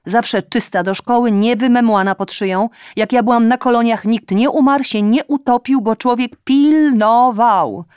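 A woman's voice: sits low, little pitch movement, slow, few pauses, darkish tone, no echo, clean studio sound, voice pushed down. A woman voicing an older mother who is hard of hearing, scolding her daughter and repeating herself. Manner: scolding and repetitive.

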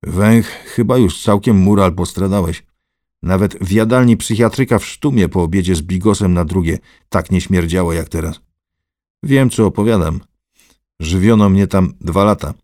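A man's voice: low voice, normal speed, darkish tone, no room sound, clean studio sound, close to an everyday voice. A man voicing an arrogant, domineering middle-aged man who gives orders in a haughty, sardonic way. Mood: scornful.

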